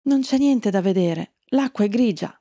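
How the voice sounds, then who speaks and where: A frightened young unicorn boy speaks softly and hesitantly, his words trailing off in a tremble, as a woman reads him. The voice is mellow and husky, with a gravelly edge to it. It sounds close and dry, like a storybook read aloud. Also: expressive, normal speed, no room sound. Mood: timid. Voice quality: soft, low-spoken. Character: shy frightened young male black unicorn.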